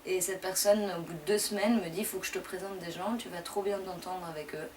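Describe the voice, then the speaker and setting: A woman's voice: lowish voice, steady tone. A young woman raised in France whose first language is Persian, telling her life story in an interview at a loose, conversational pace. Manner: conversational, loosely paced with frequent pauses. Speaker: deputy mayor interviewee. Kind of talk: interview answers, personal story. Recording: distant mic with clear background noise.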